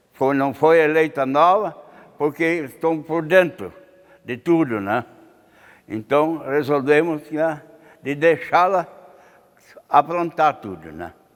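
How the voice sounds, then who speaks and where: Speaking at a very slow pace with long, frequent pauses, a man lets his loudness swing widely. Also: fairly high pitch for a man, ordinary pitch variation. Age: 70s. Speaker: club founder and community elder. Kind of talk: interview testimony. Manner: hesitant, frequent filler words.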